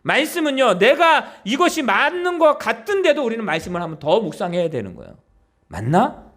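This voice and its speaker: Man, pastor, sermon, very high voice, animated pitch, emphatic, rhetorical questions. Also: a little fast. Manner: emphatic, pleading, asks the congregation many rhetorical questions. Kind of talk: Sunday sermon. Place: church.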